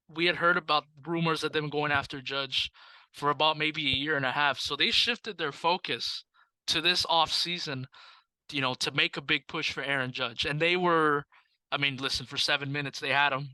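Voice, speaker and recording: Casting: man, sports podcast co-host, very bright and forward voice, blunt and jokey. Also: a little high, dry recording, rough recording. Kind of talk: casual sports chat.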